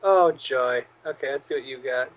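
A man's voice: medium pitch, normal speed, muffled recording. A man co-hosting a casual podcast chat, sardonic and swearing freely. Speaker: podcast co-host.

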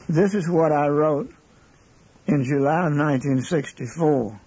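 A man's voice: a little high, unhurried, mellow, husky. A man giving plain testimony as an interviewee. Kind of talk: plain recollection and reading aloud. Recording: dull lo-fi archive recording.

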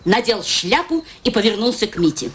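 An actress in a radio play, narrating and voicing a sly, playful wife with an expressive, theatrical manner. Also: female voice, medium pitch, fairly quick, noisy background, natural voice. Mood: dramatic storytelling.

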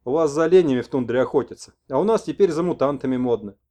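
A man's voice: medium pitch, fast talker, mellow, natural voice. A man voicing a talkative old village grandfather with a folksy, colloquial manner.

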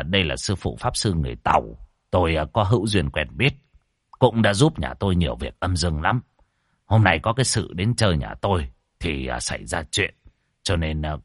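Man doing a halting, sorrowful village uncle. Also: deep voice, no echo, clean studio sound, heavily acted. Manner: slow, halting, many fillers. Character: middle-aged village man, sorrowful and deferential.

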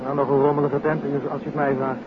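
A male actor plays a cheery young servant in a 1950s radio serial. His voice sits rather high, and he chats in a colloquial, deferential way. The dull old recording has plenty of noise. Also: little pitch movement, fast talker, lightly acted. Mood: chatty, frank. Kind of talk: 1950s radio drama acting.

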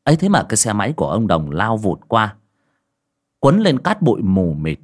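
A man narrating a village ghost story in a lively storytelling manner. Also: fairly low pitch, normal speed.

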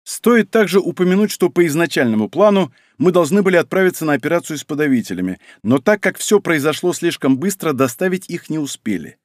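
A man reading a first-person novel aloud as an audiobook narrator, with an expressive delivery. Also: a little high, a little fast, hardly any pauses, dry recording, studio quality.

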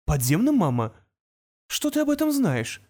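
A woman reading the part of a cold, brilliant teenage boy in an audiobook, speaking in a calm, measured way. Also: medium pitch, pitched above the performer's own voice. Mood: tense.

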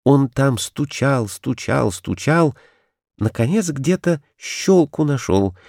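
A man narrating a children's storybook with expressive delivery. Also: mid-range voice, takes it slowly, gravelly, dry recording, studio quality. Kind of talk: storybook reading.

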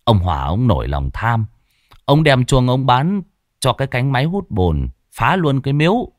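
A man voices an anxious, nervous, humble middle-aged homeowner who stammers and speaks deferentially. His mid-range voice swings widely in pitch at a normal pace, pitched above his own voice but close to an everyday one. The recording is dry, with clean studio sound.

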